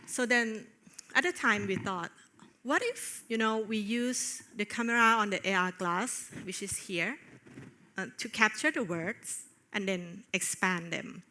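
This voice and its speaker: Female conference presenter, bright forward tone, earnest and hesitant with fillers. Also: mid-range voice. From Thailand. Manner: earnest, with frequent filler pauses. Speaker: conference speaker. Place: on stage at a tech conference.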